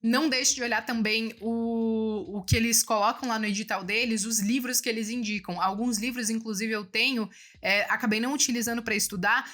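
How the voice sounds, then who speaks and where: Bright-voiced chatty woman explaining finance. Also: on the high side. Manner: chatty, with tag questions like "né" and "tá". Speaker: finance YouTuber answering viewer questions. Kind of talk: casual explanatory talk.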